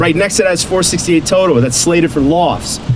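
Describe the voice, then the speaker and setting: Delivered at a very fast pace with ordinary pitch variation, the speech carries audible room echo and noticeable background noise. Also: man. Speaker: city official. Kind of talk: public speech. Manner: animated.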